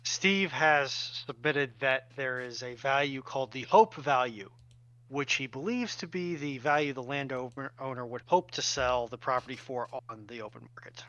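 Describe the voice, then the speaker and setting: A man's voice: medium pitch, moderate pace, bright, forceful tone, dull audio. A man co-hosting a chat show, reading out audience questions and adding casual commentary.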